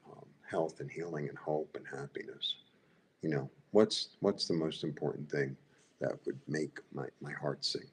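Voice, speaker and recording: A man's voice: very deep voice, a little hiss or hum. A man with a Brooklyn Jewish accent giving a live tarot reading, rambling, repeating himself and asking the viewers "right?". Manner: talks to viewers directly, asks "right?". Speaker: tarot reader.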